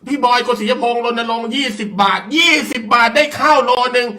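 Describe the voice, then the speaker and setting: Male host, high bright voice, playful and teasing, roomy distant sound. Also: brisk. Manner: playful, teasing, laughing along. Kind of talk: casual talk show chat.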